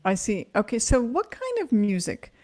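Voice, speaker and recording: A woman's voice: on the high side, huge pitch swings, normal speed, dark tone. A woman interviewing a musician, asking curious, upbeat questions. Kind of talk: casual interview.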